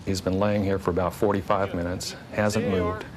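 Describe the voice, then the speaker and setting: A man, a hang glider pilot, calmly recounting an accident he witnessed in an interview. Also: low voice, normal speed, a crowd in the background. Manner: calm, matter-of-fact recollection. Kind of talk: interview testimony.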